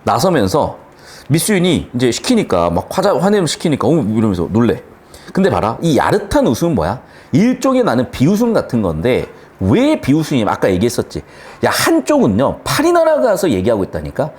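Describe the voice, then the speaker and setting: A man's voice: mid-range voice, fairly quick. A man teaching a literature lesson for exam students, talking bluntly with slang and the odd swear word. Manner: animated, blunt, slangy and profane. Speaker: Korean language teacher. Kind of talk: exam-prep literature lecture.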